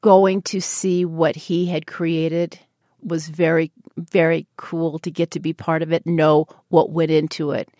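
A woman's voice: low voice, flat delivery, measured pace, warm tone, no room sound, clean studio sound. An older woman with an American accent, speaking earnestly and reflectively as a radio interview guest.

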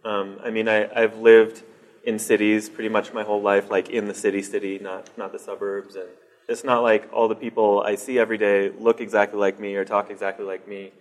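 A man from Denver, speaking thoughtfully in an interview with frequent halting restarts. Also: on the low side, flat delivery. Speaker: guest. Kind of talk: conversational interview.

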